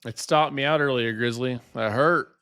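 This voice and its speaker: A man's voice: medium pitch, moderate pace, bright, forceful tone, clear, resonant tone. A man in his late twenties chatting casually with his live-stream viewers while trading, teasing them and laughing often. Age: 20s.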